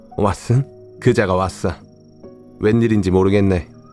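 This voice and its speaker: Music plays in the background as a man with a fairly low pitch speaks at a fairly slow pace in a calm, soothing tone. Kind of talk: audiobook reading.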